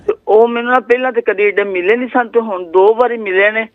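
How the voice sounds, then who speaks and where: A woman's voice: on the high side, fairly even intonation. An older woman with a Punjabi accent, phoning in to a call-in show and telling her story in a plain, rambling way. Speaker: caller. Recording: tinny phone line.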